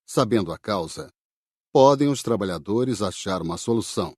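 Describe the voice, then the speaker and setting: Man reading as a husky, lively spirit mentor. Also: fairly low pitch, no echo, clean studio sound. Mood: patient, explanatory. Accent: Brazilian. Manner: didactic, measured. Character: male spirit worker calmly explaining, patient instructor. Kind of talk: audiobook dialogue reading.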